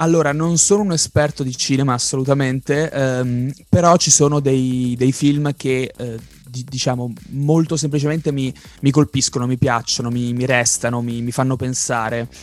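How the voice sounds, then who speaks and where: Music plays in the background as a man speaks. His pitch is medium and his intonation fairly even. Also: moderate pace. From northern Italy, Milan area. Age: 20s. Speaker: singer-songwriter. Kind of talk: interview. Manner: halting.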